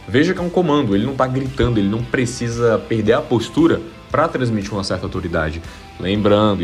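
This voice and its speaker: A man coaching viewers in an instructional video, explaining things plainly and speaking straight to the audience. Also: medium pitch. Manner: direct, explanatory, addresses viewer. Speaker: self-improvement coach.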